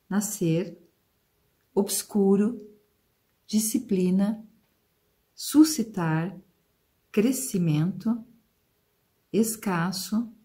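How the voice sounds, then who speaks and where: A Brazilian Portuguese-accented woman teaching children, sounding out words slowly and prompting the class with questions. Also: medium pitch, mellow. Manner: slow, drawn-out pronunciation of example words; questions and prompts aimed at pupils. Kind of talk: video lesson for children.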